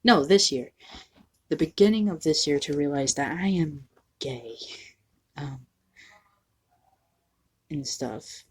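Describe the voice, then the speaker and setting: A young trans man talking candidly to the camera in a casual home vlog, halting and self-deprecating, sniffly from allergies. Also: on the high side, breathy edge. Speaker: vlogger. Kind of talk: casual personal vlog monologue.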